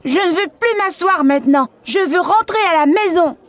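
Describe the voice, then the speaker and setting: A woman voicing an eager, impatient four-year-old boy in a French-language children's cartoon, with a childlike, expressive delivery. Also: extremely high pitch, normal speed, no room sound. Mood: whiny.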